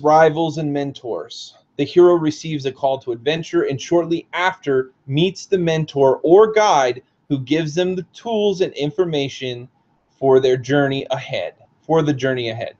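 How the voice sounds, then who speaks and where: A hoarse man with a slightly high voice reads passages from his own book aloud. He breaks in with casual asides to explain them. The recording sounds dull and lo-fi. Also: darkish tone. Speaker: author.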